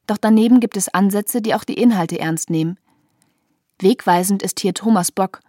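A woman's voice: on the low side, dry recording. Lady doing documentary voiceover, dry close sound. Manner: even, informative. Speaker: documentary narrator. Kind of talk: scripted narration.

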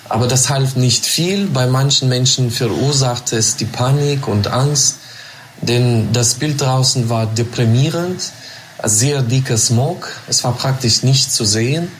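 Man, German, measured and careful, faint background noise. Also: medium pitch. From Yakutia. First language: Yakut. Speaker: interviewee. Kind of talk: remote interview.

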